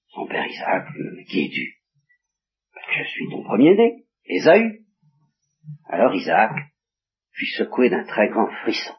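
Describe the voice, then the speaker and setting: Low husky guy reading a bible story and explaining it, muffled old 60s tape. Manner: reads quoted speech with small voice changes, breaks off to explain. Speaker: Bible teacher. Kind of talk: reading and commenting scripture to listeners. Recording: dull lo-fi 1960s tape recording.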